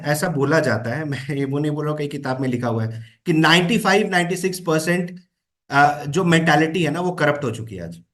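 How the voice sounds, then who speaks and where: A man's voice: fairly high pitch, a bit bright. A man giving a motivational talk as a trainer, mixing English phrases into Hindi and often checking in with "है ना?". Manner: coaching, with frequent "है ना?" check-ins.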